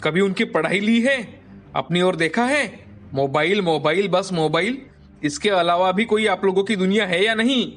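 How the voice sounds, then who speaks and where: A woman voicing a stern, angry old grandfather in an animated story, scolding and lecturing his family. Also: mid-range voice, moderate pace, pitched below the performer's own voice, natural voice.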